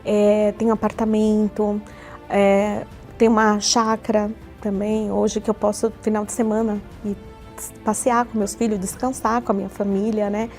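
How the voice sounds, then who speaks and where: Here a Brazilian woman in her forties, a member of a church, shares an earnest testimony and repeats herself a lot. She talks at a normal speed in a mid-range, level, slightly dark voice with a Brazilian Portuguese accent, and soft music runs beneath.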